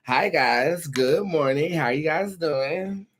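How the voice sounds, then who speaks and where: A man's voice: fairly high pitch, slow, very noisy. Sassy, campy man with a lightish voice. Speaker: livestream host and tarot card reader. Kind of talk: casual livestream chat.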